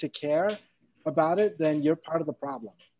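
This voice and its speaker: The speaker is a man with a high pitch. His tone is dark and mellow. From Canada. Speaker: accessibility engineering lead, event co-founder; webinar panelist. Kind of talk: webinar interview. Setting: video call. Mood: earnest, emphatic. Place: home room. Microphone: video call.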